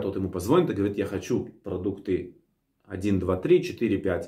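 Against a quiet background, a man talks at a fairly slow pace. His fairly low voice has lively intonation. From Israel. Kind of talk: lecture. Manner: halting, with many filler sounds. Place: home room. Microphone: phone near.

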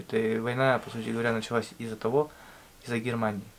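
Medium in pitch, a man talks at a moderate pace with fairly even intonation. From Khabarovsk, Russia. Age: young. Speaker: prisoner of war, soldier. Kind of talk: interview answer.

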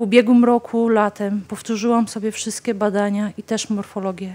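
The voice moves at a moderate pace in a flat monotone, recorded very cleanly against a silent background. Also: woman. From Poland, Kashubia. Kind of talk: religious testimony read before a congregation.

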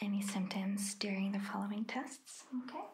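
Soft-spoken and calm in tone, a woman speaks at a fairly slow pace. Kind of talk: role-play exam talk to viewer. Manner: soft-spoken, calm, reassuring ASMR voice. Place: home room.

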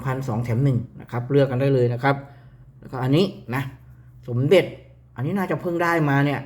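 This man has an unremarkable speaking voice. His pitch is fairly high, with ordinary variation. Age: 40s. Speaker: amulet dealer. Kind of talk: sales pitch.

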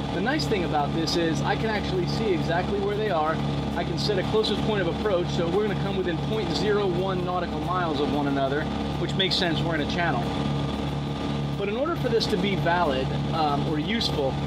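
A man talks at a very fast pace. Loud background noise runs underneath. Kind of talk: tutorial. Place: boat. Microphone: phone near.

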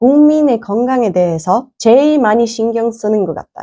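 A woman with a fairly high, dark and mellow voice speaks at a fairly slow pace with lively intonation against a quiet background. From Bulgaria. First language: Bulgarian (speaking Korean). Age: 30s. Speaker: YouTuber. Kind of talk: contest speech. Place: home room. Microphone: lapel.

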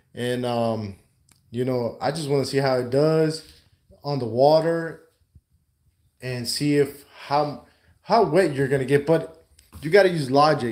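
A man at a fairly slow pace with long, frequent pauses and ordinary pitch variation, quiet background. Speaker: kayak owner vlogger. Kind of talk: casual vlog chat. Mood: relaxed, pleased. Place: home room. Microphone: phone near.

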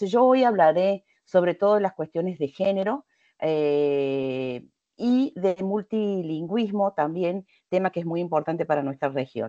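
The voice has a dark, mellow tone and lively intonation at a fairly slow pace. The sound is dry with no echo, against a quiet background. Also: woman, fairly low pitch for a woman. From Argentina. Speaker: guest speaker on scholarly publishing; presenter. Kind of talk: presentation. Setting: video call. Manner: hesitant, many fillers. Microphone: video call.

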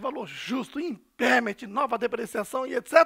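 Enthusiastic in tone, a man talks at a fairly quick pace. The background is quiet. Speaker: course instructor and salesman. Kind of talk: infomercial, hard-sell pitch for an online course bundle. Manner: fast, rapid-fire and urgent; enthusiastic, promotional, pushes viewer to act. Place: studio. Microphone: headset.

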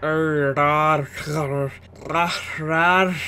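A man speaks over light background noise. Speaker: comedy vlogger. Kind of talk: mock lecture, comedic vlog.

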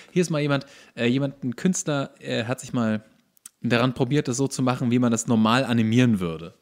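A man's ordinary speaking voice at a medium pitch, with ordinary pitch variation, a fairly quick pace and a very clean recording with a silent background. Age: 30s. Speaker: podcast co-host, actor. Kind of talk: casual chat.

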